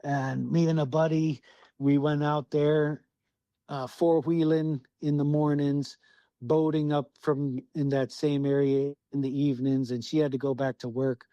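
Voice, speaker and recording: A man from Southwest Alaska recounts a hard trip in loose, salty storytelling, swearing easily and slipping into his own remembered thoughts. His voice sits somewhat high for a man. The sound is close and dry, with no room around it. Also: little pitch movement, unhurried, mellow, dry recording, highs cut off. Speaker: podcast guest. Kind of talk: casual storytelling.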